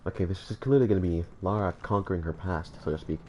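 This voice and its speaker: A man's voice: low voice, fast talker, a little mellow, a little hiss or hum. A man with a slightly congested voice, joking and rambling to his viewers as he plays through a game. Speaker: gaming channel host. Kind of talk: casual let's-play commentary.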